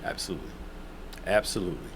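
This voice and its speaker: A man's voice: deep voice, expressive, vocal fry, a little hiss or hum. Chatty co-host in his thirties. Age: 30s. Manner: casual, chatty, quick to agree. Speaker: radio co-host. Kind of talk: call-in talk show.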